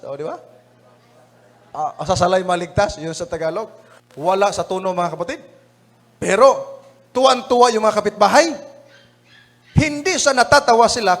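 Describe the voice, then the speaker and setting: A man with a Filipino accent, an evangelist telling funny anecdotes in a lesson-review sermon, chatty and often laughing as he addresses the brethren. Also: high voice. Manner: chatty, laughing, often says "mga kapatid".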